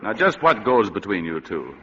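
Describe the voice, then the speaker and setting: A man's voice: fairly low pitch, sing-song, moderate pace, noisy background. An actor playing a weary, wisecracking male private detective in a 1940s-style radio drama. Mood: wry. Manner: wisecracking, sardonic. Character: hard-boiled male private eye, sardonic, weary. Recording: dull lo-fi old radio recording.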